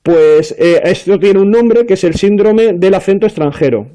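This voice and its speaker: A man's voice: high-pitched, expressive, normal speed, mellow. A man on a talk panel, explaining at length with many fillers and restarts. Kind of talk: casual panel discussion.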